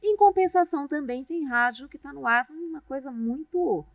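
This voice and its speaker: A middle-aged Brazilian woman, a radio announcer guesting on a podcast, talking in a relaxed, rambling, chatty way with restarts. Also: high-pitched, normal speed, dry recording, studio quality. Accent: Brazilian Portuguese. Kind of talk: casual podcast interview.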